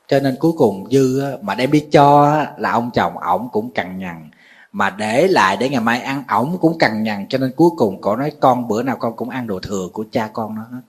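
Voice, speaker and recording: A man's voice: medium pitch, slightly rough. A man with a Southern Vietnamese accent, a Buddhist monk giving a folksy sermon to a live audience, often asking his listeners questions.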